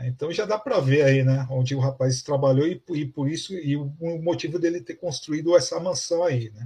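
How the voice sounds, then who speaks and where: A man with a fairly high, somewhat breathy voice speaks at a moderate pace. His pitch varies an ordinary amount, and he takes hardly any pauses. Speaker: YouTube live streamer. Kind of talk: live stream monologue. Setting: home live stream with microphone. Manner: casual, with many fillers.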